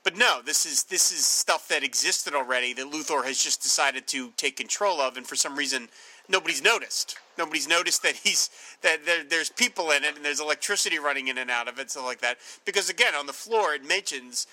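Male co-host, bright tone, lively storytelling about movies. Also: on the high side, a little fast, low-quality recording. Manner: animated, laughs while retelling scenes. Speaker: podcast co-host. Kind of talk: casual film discussion.

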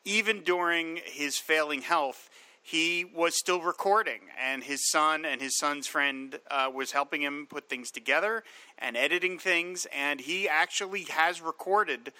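A man hosting a podcast, talking in a casual, halting way with many restarts. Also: a little high, sharp tone, dry recording, poor audio. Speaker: podcast host.

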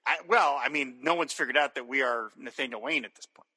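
A man's voice: mid-range voice, brisk, sharp tone, husky, big-room sound, poor audio. A man chatting casually as a podcast co-host, enthusiastic and rambling, with many restarts. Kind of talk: casual chat reviewing old cartoons.

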